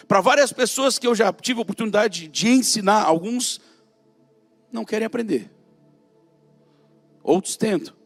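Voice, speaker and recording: Emphatic Brazilian preacher, gravelly voice. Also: male voice, on the high side. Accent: Brazilian Portuguese. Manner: emphatic, swings from loud calls to near-whispered asides. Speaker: prophet preacher. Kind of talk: sermon.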